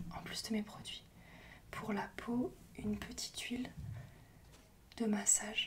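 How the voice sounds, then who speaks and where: A woman whispers at a very slow pace. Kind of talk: soft-spoken ASMR role-play. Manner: soft-spoken, calm and low. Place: home room. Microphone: phone near.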